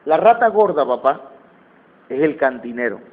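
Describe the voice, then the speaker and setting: A man's voice: mid-range voice, very animated, moderate pace, voice pushed down, lightly acted. A Mexican man playing a young boy who earnestly explains things to his father. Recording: tinny phone-like sound.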